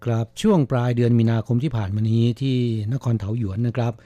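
A man's voice: mid-range voice, quick pace, over music. A man hosting a radio language lesson, patiently explaining each word and repeating it. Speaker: radio host and Chinese language teacher.

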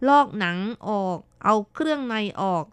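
A woman co-hosts a radio chat show with a smooth, clear voice, reading listener comments aloud. She talks in a chatty, playful way with polite sentence endings. The studio sound is dry and close. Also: medium pitch, animated, normal speed, dry recording. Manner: chatty, playful, ends phrases with polite particles. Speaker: radio co-host.

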